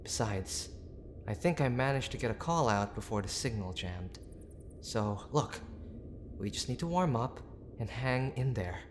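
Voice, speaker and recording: A man acting a gruff but tender young boyfriend who is desperately worried, speaking in a halting, pleading, intimate way for an audio roleplay. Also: medium pitch, expressive, slight background noise, close to an everyday voice. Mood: urgent, worried. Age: young adult. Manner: halting, pleading, with sighs and breathy asides.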